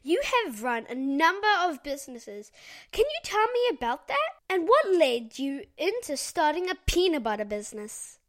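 High, lively New Zealand woman interviewer. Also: moderate pace. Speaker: podcast host, interviewer. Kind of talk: scripted introduction and interview questions.

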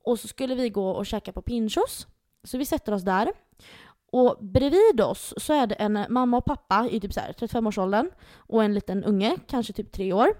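A young woman co-hosting a casual podcast chat, telling stories with plenty of swearing and lively retellings. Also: fairly high pitch, no echo, studio quality. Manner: storytelling, swearing, animated retellings. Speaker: podcast co-host.

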